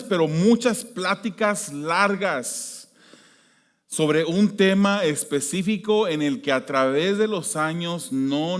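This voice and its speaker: A man from the United States preaching a sermon as pastor, shifting between loud emphasis and quiet, hushed prayer. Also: fairly high pitch. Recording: long hall reverb.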